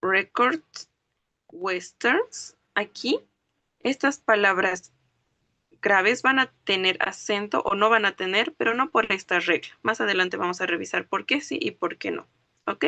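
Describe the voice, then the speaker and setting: In an online class lecture, a woman teaches a language lesson step by step, spelling words out syllable by syllable and asking frequent questions to check that students follow. Her mid-range voice is pushed and bright at a measured pace, with no echo.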